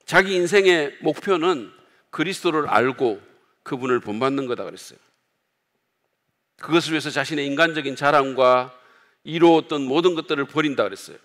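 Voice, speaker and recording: A male pastor delivers a sermon in a relaxed, conversational way, speaking directly to his congregation. His voice sits a little higher than most men's. The words trail off into the long reverb of a church sanctuary. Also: fairly quick. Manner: conversational preaching, acts out quoted outbursts loudly.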